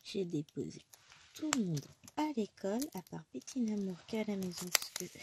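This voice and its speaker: A woman's voice: mid-range voice, animated, moderate pace, very noisy. A woman in her thirties with a cold, chatting casually at home while she stitches, rambling and correcting herself as she goes. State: has a cold. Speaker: crafting vlogger. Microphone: phone close by.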